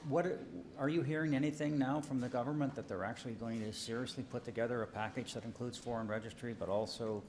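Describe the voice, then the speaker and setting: A man questioning politicians as a reporter at a press conference, with informal, halting phrasing. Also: medium pitch, fairly even intonation, darkish tone, slight background noise.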